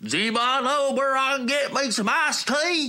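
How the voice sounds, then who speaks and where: This put-on character voice is high-pitched and nasal, delivered at a fairly slow pace. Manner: demanding, comic.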